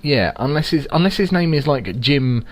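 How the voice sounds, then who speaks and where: A man's voice: medium pitch, animated, moderate pace. A young man with a London accent, co-hosting a podcast in loose, jokey chat full of fillers. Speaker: podcast co-host. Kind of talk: casual chat.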